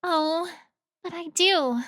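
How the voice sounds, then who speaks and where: A high, girlish female voice acted by a woman plays an earnest young sweetheart. She speaks with tender sincerity and open affection, as in a romantic fan-made audio drama. The sound is dry, without room echo. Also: slow pace, fairly bright tone, exaggerated voice. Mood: grateful, tender.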